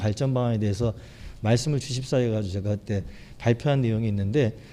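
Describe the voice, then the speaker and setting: This man's voice has a dark, mellow tone. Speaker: education policy official. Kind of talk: forum presentation. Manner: fast.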